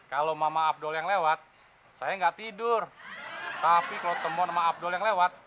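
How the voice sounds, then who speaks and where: A man's voice: fairly high pitch, normal speed, background noise, natural voice. A man playing a cheeky young loafer who makes wisecracks in Jakarta slang. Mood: joking. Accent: Jakarta Indonesian. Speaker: sketch comedy actor.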